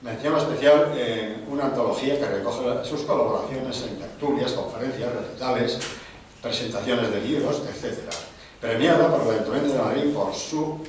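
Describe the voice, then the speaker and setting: A middle-aged man at a book launch introduces an author from a table microphone, listing her career item by item with small restarts. His voice sits at an ordinary middle pitch. It comes from a step back from the mic in a very echoey hall with a faint hum of noise. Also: darkish tone, recorded from a distance. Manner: reads a long biography in measured lists, with small hesitations and restarts. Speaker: event host presenting an author. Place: large conference room, seated at a panel table.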